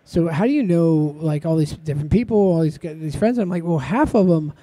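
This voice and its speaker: A man from Ohio hosts a live podcast from a convention stage. His voice sits high yet mellow and soft-edged, and his delivery is chatty and eager. The sound is dry and close. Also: lively intonation, fairly quick, no echo. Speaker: podcast host.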